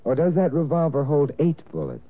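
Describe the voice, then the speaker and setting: A man's voice: fairly high pitch, big pitch swings, brisk, slight background noise. An actor playing a suave male adventurer-detective with dry, wry quips in a 1940s radio drama. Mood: sardonic. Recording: tinny old radio broadcast.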